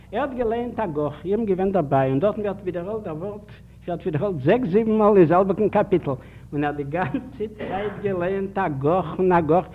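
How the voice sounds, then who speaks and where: A man giving a public lecture, telling anecdotes and putting emphatic rhetorical questions to his listeners. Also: sits high. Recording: tinny archival 1950s lecture tape with faint hiss.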